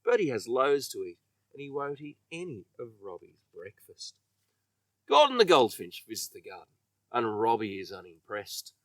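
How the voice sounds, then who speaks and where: A man reading a children's story with expressive, emphatic delivery, letting his phrase endings trail off. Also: mid-range voice, moderate pace, no room sound, distant mic. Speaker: children's author reading own book.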